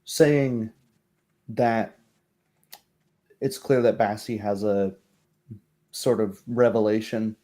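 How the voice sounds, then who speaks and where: A man working as game master, narrating a tabletop roleplaying game in a halting, improvised way. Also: lowish voice, fairly even intonation, warm tone.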